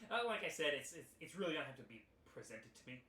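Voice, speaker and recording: Fast-talking man in an echoey room. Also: mid-range voice, sing-song, sharp tone. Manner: quick, repeats words when starting. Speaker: podcast co-host. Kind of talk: casual gaming podcast chat.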